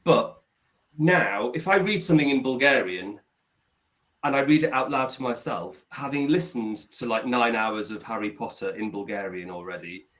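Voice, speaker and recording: A man's voice: medium pitch, moderate pace, a bit bright. A man, tutoring a student in casual conversation over a video call, repeating points for emphasis. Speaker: English tutor.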